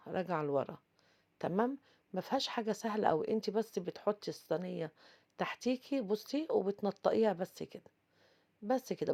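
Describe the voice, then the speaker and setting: A woman's voice: medium pitch, mellow. A woman with an Egyptian Arabic accent hosting a casual cooking tutorial, chatty and talking straight to her viewers with lots of fillers. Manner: chatty, addresses viewers directly, frequent fillers. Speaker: cooking channel host.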